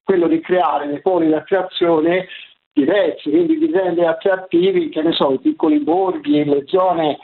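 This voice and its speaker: A man with a Tuscan accent, calling a radio show over the phone, talking in halting bits with many restarts. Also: fairly high pitch, sing-song, vocal fry. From Tuscany, Italy. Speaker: caller. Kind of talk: call-in radio chat. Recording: tinny phone line.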